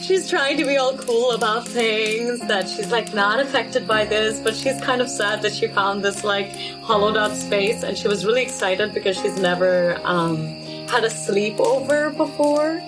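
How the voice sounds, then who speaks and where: A woman's voice: on the high side, unhurried, low-quality recording. A woman player casually improvising a story about her character in a tabletop role-playing game, rambling and giggly, saying "like" often. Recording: music playing behind the voice.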